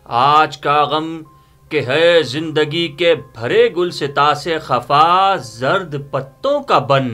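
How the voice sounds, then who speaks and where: A middle-aged man giving a dramatic poetry reading in a theatrical, solemn and deliberate manner. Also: a little high, pushed and bright. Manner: theatrical, solemn, deliberate phrasing with repeated lines. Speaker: poetry reciter. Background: background music.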